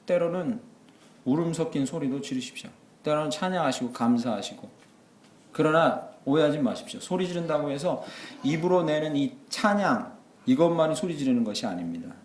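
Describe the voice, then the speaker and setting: Animated male pastor in an echoey hall. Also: a little high, a little fast, a little hiss or hum. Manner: animated, swings from quiet asides to loud exclamations. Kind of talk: sermon. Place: church sanctuary.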